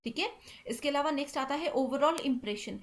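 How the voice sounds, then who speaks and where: A woman's voice: high voice, moderate pace. A young woman teaching an online exam-prep lecture in Hindi mixed with English terms, checking in with "theek hai" after nearly every point. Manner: repeats "ठीक है" constantly, mixes English terms into Hindi.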